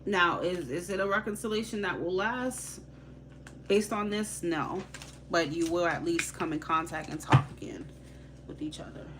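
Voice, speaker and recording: A young woman with a Haitian accent gives live tarot readings, chatting casually with plenty of slang and laughing easily. Her voice is lowish and her pace moderate, with background noise present.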